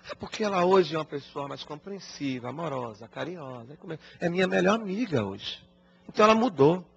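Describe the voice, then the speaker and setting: A man's voice: fairly high pitch, animated, quick pace, gravelly, breathy edge, heavily acted. A man voicing a troubled young wife who pleads earnestly for help, recorded as dull lo-fi broadcast audio.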